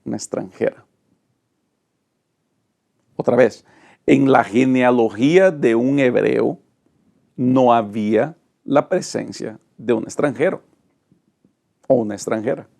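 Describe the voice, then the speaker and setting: A man's voice: medium pitch, slow, gravelly, pauses often, darkish tone. A middle-aged male pastor, teaching a Bible study lesson with dramatic, emphatic delivery and rhetorical lists.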